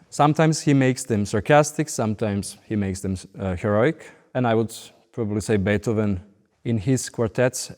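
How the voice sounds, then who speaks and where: A man's voice: on the low side, a little mellow. Serbian-accented man in a reverberant hall. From Belgrade, Serbia. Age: late 30s. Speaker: professional orchestral violinist being interviewed. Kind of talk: interview monologue. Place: large recording hall.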